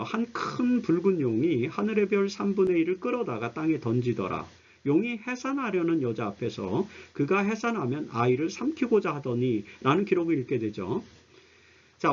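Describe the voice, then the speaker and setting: Guy doing bible study commentary, really animated pitch, slightly husky, teachery and emphatic. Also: lo-fi sound. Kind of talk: explanatory religious lecture with scripture readings.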